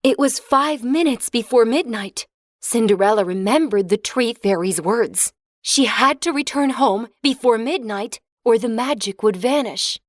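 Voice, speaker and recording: A woman narrating a children's fairy tale in a clear, expressive storybook reading. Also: fairly high pitch, unhurried, no room sound, clean studio sound.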